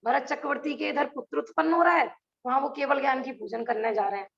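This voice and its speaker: A woman's voice: high-pitched, quick pace, creaky, a bit bright, lo-fi sound. A woman teaching a religious scripture class over a video call, talking earnestly and asking her listeners rhetorical questions.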